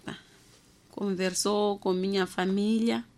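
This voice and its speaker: A woman from Mozambique talking with a radio host, quiet and agreeing, mostly in short replies. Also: medium pitch, little pitch movement, slow. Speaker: guest seeking help.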